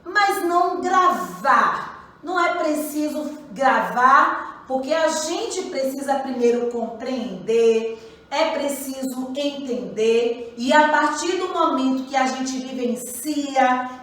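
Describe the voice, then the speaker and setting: Teacher, female, slow and patient, echoey room, distant mic. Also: sits high, expressive, fairly bright tone. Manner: slow, patient, repeats questions to pupils. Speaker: primary school teacher. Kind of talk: recorded grammar lesson for children.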